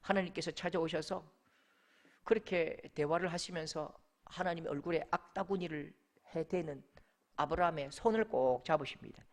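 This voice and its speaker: A male pastor with a Gyeongsang accent, preaching a sermon as an emotive, animated storyteller. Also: on the high side, normal speed. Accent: Gyeongsang Korean.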